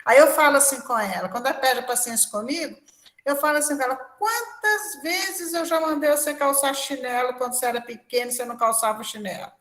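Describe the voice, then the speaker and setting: A woman speaks in a conversation circle, chatty and animated and tagging her sentences with "né?". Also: high voice, fast. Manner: conversational, frequent "né?" tags, lively anecdotes. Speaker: guest speaker. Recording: echoey room.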